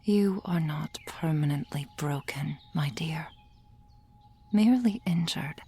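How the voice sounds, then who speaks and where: Woman doing a calm soul healer, low breathy whisper, slow and soothing, ASMR roleplay. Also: heavily acted. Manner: soft whispering, soothing and formal. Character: gentle female soul healer, calm and reassuring.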